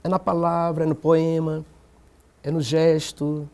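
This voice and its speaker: Brazilian male activist, high mellow tone, emphatic, fond of rhetorical questions. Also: flat delivery, a little slow, vocal fry. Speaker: black movement activist guest. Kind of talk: TV panel debate.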